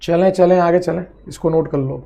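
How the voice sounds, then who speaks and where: Male chemistry teacher, high-pitched voice, repeats each step, classroom lecture. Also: steady tone, brisk, vocal fry, dark tone. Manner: repeats phrases, drills students, calls them friend.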